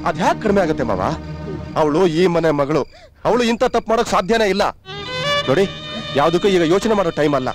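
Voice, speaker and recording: A loyal, earnest son-in-law in a film, calm and pleading. He speaks fast in a slightly high voice. Soft music sits under him. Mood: reassuring.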